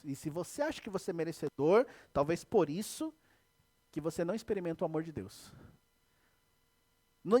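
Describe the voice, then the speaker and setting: A male pastor delivers a Sunday sermon. His pitch swings widely and animatedly as he tells stories and presses his points home, turning often to address the congregation directly. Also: darkish tone.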